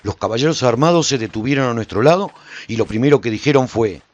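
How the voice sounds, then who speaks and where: A man's voice: mid-range voice, animated, fast talker, dry recording, muffled recording. A man giving an intense, dramatic first-person narration for a radio serial.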